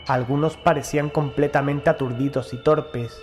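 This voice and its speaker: A man reading a first-person horror story as an audiobook narrator, in a measured, formal storytelling delivery. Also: medium pitch, fairly even intonation, a little mellow. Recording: music behind the voice. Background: background music.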